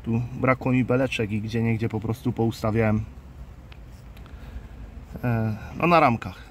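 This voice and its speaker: A man's voice: mid-range voice, little pitch movement, unhurried, slight background noise. A man, a beekeeper, casually explaining his work at the hives as he films, thinking aloud with fillers. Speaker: beekeeper and channel host. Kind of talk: casual hands-on explainer vlog. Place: outdoors at beehives. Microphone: handheld phone camera. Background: faint outdoor ambience with buzzing bees.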